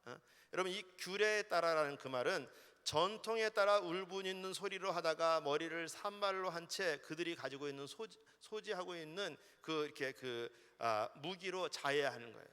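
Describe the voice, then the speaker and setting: A male pastor preaching a sermon in a church, swinging between loud exhortation and hushed asides. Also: on the high side, moderate pace, clean tone. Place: church sanctuary. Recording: long hall reverb of a church.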